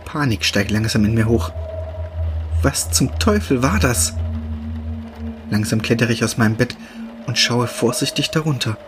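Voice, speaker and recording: Male narrator for short horror tales, mid-pitched, hushed and measured, music underneath. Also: expressive. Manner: slow, hushed, deliberate delivery with dramatic pauses. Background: background music.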